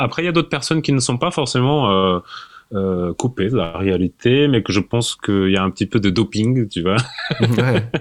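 The background is quiet around this man. His intonation is lively and his pace moderate. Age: 40s. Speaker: agency founder, former director and actor. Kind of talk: casual interview.

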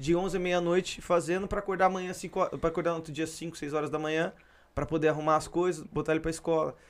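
A man with a normal speaking voice, fairly high pitch, and fairly even intonation. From São Paulo, Brazil. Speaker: comedian and show producer. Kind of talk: casual chat. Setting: studio.

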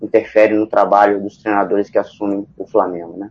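This man talks at a fairly quick pace. His pitch is fairly low. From Espírito Santo, Brazil. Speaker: football fan. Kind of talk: casual chat.

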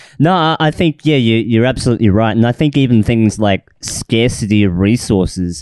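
Against a quiet background, with a dry, close sound and no echo, the speaker uses an Australian accent, lively intonation and very even loudness, going at a moderate pace with hardly any pauses. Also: man, medium pitch for a man. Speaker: podcast host. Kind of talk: casual chat.

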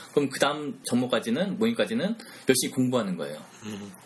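Very wide pitch swings from a man at a fairly quick pace. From South Korea. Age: 30s. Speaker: English book author. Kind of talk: casual chat.

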